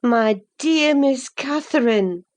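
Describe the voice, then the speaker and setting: Woman reader doing a scolding middle-aged housekeeper, kinda higher voice, slow. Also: expressive, darkish tone. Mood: demanding. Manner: reproachful, scolding.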